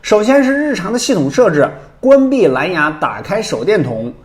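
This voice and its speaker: A man's voice: high voice, big pitch swings, normal speed. A man hosting a tech review, narrating from a script with playful, wry commentary.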